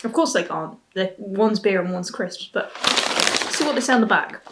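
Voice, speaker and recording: This woman, in her twenties, gives a casual beer and snack review to camera from a table in a small, plain home room. Her medium-pitched voice is expressive and moderately paced as she muses and restarts her thoughts. Heavy background noise runs under her speech.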